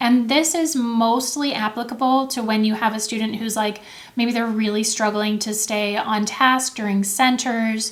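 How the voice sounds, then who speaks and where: A woman's fairly high, fairly even voice against noticeable background noise. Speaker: literacy specialist, teacher. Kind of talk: tutorial. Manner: conversational.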